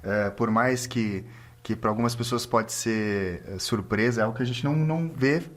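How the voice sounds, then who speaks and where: A man from Brazil, a guest in a casual podcast interview, agreeable and quick to affirm. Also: mid-range voice. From southern Brazil. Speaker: guest, condominium administrator.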